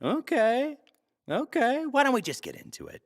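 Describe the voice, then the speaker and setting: An actor playing a glib, teasing talk show host in a sci-fi audio drama, wry, theatrical and probing. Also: male voice, very high-pitched, wildly swooping pitch, normal speed, heavy background noise, exaggerated voice. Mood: playful, teasing.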